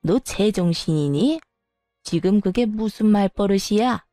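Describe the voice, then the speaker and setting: A woman's voice: mid-range voice, animated, unhurried, warm tone, no echo, studio quality, soft background music, lightly acted. A woman voicing a meddling, self-pitying older mother-in-law who whines and scolds. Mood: scolding. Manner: whining and scolding.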